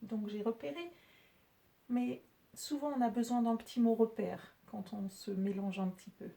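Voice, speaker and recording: A woman's voice: a little high, fairly even intonation, mellow. A woman teacher patiently explaining French spelling and syllables to pupils. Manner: slow, patient, clearly articulated explanations. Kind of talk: spelling lesson for children.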